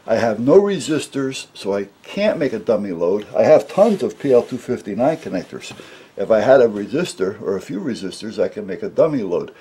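A man's voice: fairly low pitch, dark tone, breathy edge. A middle-aged man giving a casual, unscripted repair walkthrough at a workbench, rambling and explaining things matter-of-factly. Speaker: hobbyist radio repairer, presenter. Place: indoors at a workbench.

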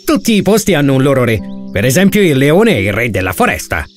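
A man's voice: mid-range voice, wildly swooping pitch, fast talker, soft background music. A man voicing a pompous, boastful big frog in a children's cartoon.

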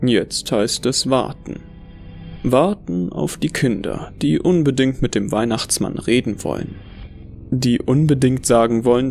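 Gravelly man narrating a horror story. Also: medium pitch, darkish tone. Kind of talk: first-person scripted horror story narration.

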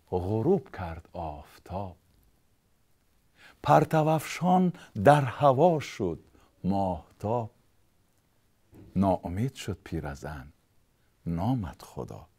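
Here the narrator's voice is low-pitched and warm, carrying a Tajik accent. He chants a long story poem with a steady rhythm and a sing-song lilt.

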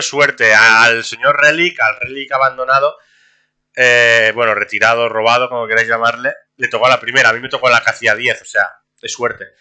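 A young man with a mid-range voice streams a game, chatting casually and excitably with his viewers and laughing often.

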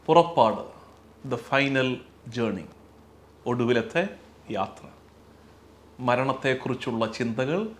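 A man giving a reflective sermon as a Catholic priest, speaking slowly and gently, often dropping to a hushed close and at times chanting lines of a hymn. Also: mid-range voice.

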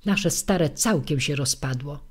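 Nagging old crone, loud and shrill, played by a woman narrator in a fairy-tale reading. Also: unhurried, breathy edge. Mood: scolding. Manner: shouting insults. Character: shrill scolding greedy old peasant wife.

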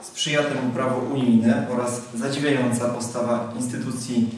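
A young man at a lectern in a large hall, reading a prepared speech in a formal, measured way. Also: mid-range voice, steady tone, slight background noise. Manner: formal, measured delivery from a script. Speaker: speaker at a convention. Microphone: lectern microphone. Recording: very echoey hall, mic at a distance.

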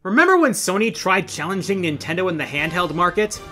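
A man's voice: sits high, big pitch swings, fairly quick, over music. A middle-aged man hosting a countdown in scripted video essay narration, with an emphatic, theatrical delivery. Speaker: video game countdown host.

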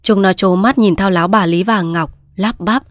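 Steady woman narrator, dry close sound. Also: mid-range voice, no room sound. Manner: steady, measured reading. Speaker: storyteller. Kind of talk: audiobook narration.

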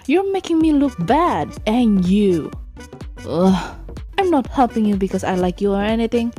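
A woman's voice: fairly high pitch, big pitch swings, normal speed, mellow. A woman voicing an irritable, easily embarrassed tsundere young woman in a comic dub, snapping as she talks. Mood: irritated. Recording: music behind.

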